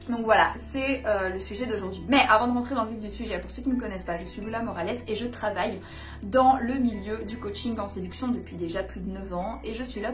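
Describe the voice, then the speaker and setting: A woman coach talking casually to camera in a hyped-up, over-caffeinated way with emphatic bursts. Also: mid-range voice. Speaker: dating and seduction coach presenting her channel. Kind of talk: casual vlog explainer to camera.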